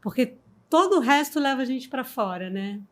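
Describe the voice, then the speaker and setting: Woman storyteller guest, slightly higher voice, calm and reflective delivery. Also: moderate pace. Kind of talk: reflective conversation.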